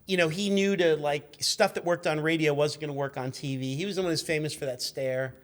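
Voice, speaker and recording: A man in his fifties talking as a guest in a casual interview, telling stories in an animated, profane, stumbling way. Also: fairly high pitch, a little fast. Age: 50s. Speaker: guest, former radio show intern.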